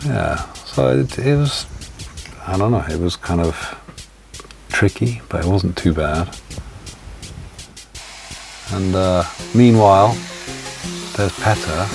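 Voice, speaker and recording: Low-voiced hoarse man, casual vlog. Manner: relaxed, halting, lots of "uh". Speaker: vlogger. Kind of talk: casual narration. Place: home studio. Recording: voice-over with music bed. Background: music.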